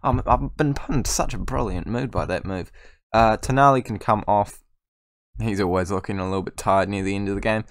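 A man casually commentating his own video game session, excitable and self-mocking, talking straight to his viewers. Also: lowish voice, no room sound, clean studio sound. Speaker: gaming YouTuber. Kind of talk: casual let's-play commentary.

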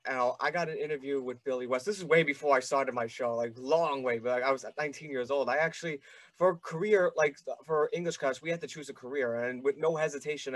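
A man's voice: mid-range voice, a bit bright, no echo. A young man hosting an interview, asking long rambling questions with eager fan enthusiasm. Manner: rambling, many fillers and restarts, eager fan. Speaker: podcast host.

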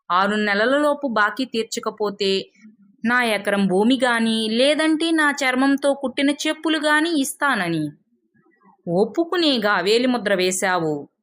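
A woman's voice: a little high, animated, unhurried, fairly bright tone. Woman voicing a sly, demanding greedy village moneylender man. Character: cunning greedy male village moneylender, bullying and deceitful. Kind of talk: dramatized moral folk tale.

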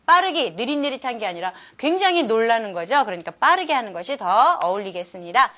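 A woman teaching a Korean-language lesson for children, lively and animated, asking the viewers questions and answering them herself. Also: fairly high pitch, fast. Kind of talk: lecture video for children.

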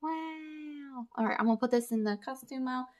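A woman's voice: sits high, normal speed. A young woman chatting casually to viewers as she sorts jewelry at a table, thinking aloud. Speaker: storage unit reseller and vlogger. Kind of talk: casual chat while sorting jewelry. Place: indoors at a table. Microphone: camera over a table, hands only in frame.

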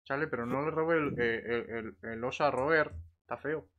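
A man with an accent from Spain chatting casually over a voice call, in a halting way that repeats words. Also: mid-range voice. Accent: Spanish from Spain. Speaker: gamer in a voice chat. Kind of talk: casual chat. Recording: slightly dull voice-chat audio.

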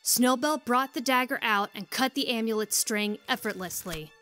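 A woman's voice: on the high side, moderate pace, bright, forceful tone, soft background music. A woman narrating a scripted story as the narrator of an audio drama.

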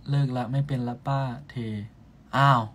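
A man's voice: medium pitch, flat delivery, normal speed, fairly bright tone. Young man chatting on a live stream. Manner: playful, teasing banter with viewers. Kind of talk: casual live-stream chat reading comments.

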